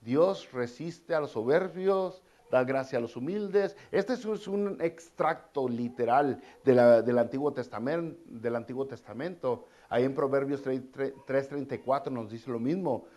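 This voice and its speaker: A man's voice: mid-range voice, normal speed, hardly any pauses, a little mellow. A male pastor, preaching a sermon in a conversational way, with casual asides and repeated phrases.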